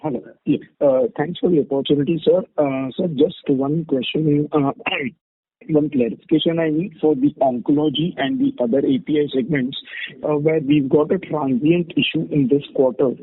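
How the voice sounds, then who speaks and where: A man's voice: a little high, steady tone, moderate pace, breathy edge. A man with an Indian accent, an analyst asking questions on an earnings call in a deferential, hesitant way. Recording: muffled narrowband phone line.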